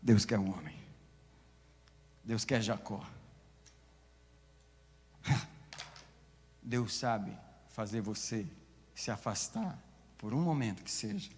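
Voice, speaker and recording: A man with a Brazilian Portuguese accent preaching a sermon as pastor, swinging from hushed whispers to loud shouts. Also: on the low side, takes it slowly, long pauses, long reverb tail.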